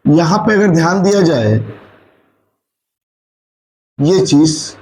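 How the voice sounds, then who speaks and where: A man's voice: fairly high pitch, slow pace, darkish tone, a little hiss or hum, poor audio. A man teaching a maths lesson, asking and answering his own questions and mixing English maths terms into his Hindi. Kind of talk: classroom lecture.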